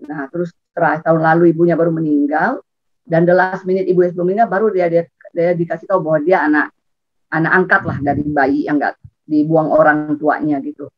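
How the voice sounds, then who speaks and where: A middle-aged woman sharing a personal church testimony, storytelling in an animated way and acting out the dialogue. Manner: animated, acts out dialogue with sudden high pitch jumps. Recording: dull lo-fi recording.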